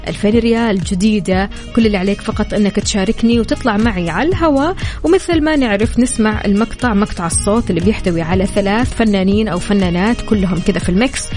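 A woman's voice: medium pitch, a little mellow. A woman with a Saudi accent presenting live radio and contests, addressing listeners directly in an upbeat announcer delivery. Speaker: radio host. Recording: music playing behind the voice. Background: music bed.

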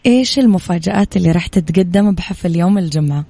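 A woman's voice: on the low side, quick pace, vocal fry, mellow, slightly rough, dry recording. A woman asking questions as an interviewer in a conversational style.

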